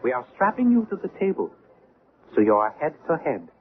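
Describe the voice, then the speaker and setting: A zealous male alien leader, grandiose and commanding. His pitch moves in lively sweeps. The 1970s radio drama recording is thin and phone-like with light noise. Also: brisk. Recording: tinny, noisy old radio drama recording.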